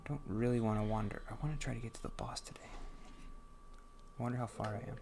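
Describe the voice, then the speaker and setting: A soft-spoken man with a quiet voice, halting and muttering to himself as he plays through a game, on a microphone turned up high. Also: fairly even intonation, creaky, slight background noise. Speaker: gaming channel host. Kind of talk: casual gameplay commentary. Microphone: computer microphone turned up loud.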